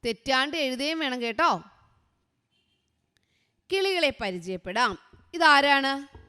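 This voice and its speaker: A woman tutoring first graders, asking short questions again and again in an unhurried, clear way. Her voice is high and bright. A long reverb from the room trails behind her words. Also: animated. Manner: quizzes with short repeated questions, slow and clear. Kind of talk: exam revision lesson for young children.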